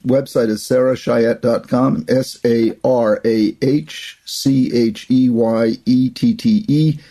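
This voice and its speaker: Warm-toned older male podcast host. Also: medium pitch, fairly even intonation, slow. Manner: enthusiastic, effusive introductions. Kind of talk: podcast interview.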